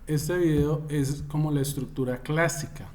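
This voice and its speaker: A man's voice: a little high, steady tone, normal speed, a little mellow. A man teaching an online class over a video call, repeating and restating his points and calling on students by name.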